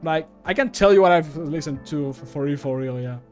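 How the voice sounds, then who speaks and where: A man's voice: on the high side, brisk, a little mellow. A man in his thirties rambling casually as he streams, with loose, sweary chat. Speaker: streamer and mod maker. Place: small home room, indoors. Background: background music.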